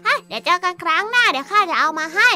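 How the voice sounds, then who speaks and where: A woman voicing an excitable young male friend who is easily baffled, in a children's radio drama. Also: very high-pitched, rapid-fire, exaggerated voice. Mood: helpful. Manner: exclamatory, lively rustic speech. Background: background music.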